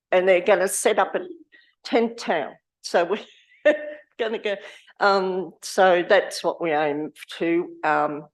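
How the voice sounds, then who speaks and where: Hoarse woman, lower register, chatty and rambling, speaking at a lectern in a council chamber. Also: low-quality recording. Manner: chatty, rambling, with restarts and laughs. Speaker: community award volunteer. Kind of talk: informal speech at a council meeting. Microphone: lectern microphone.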